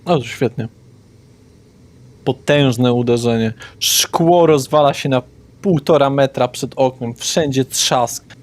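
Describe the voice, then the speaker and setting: A man running a tabletop vampire game as game master, narrating in a relaxed way with frequent hesitations. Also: medium pitch, slow pace.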